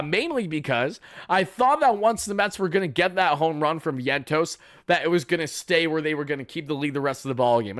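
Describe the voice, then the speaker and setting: Raspy-voiced man recapping a game. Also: fairly high pitch, a bit bright, no room sound, studio quality. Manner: chatty, boastful fan banter. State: raspy from yelling. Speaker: sports fan channel host. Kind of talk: live-stream game recap.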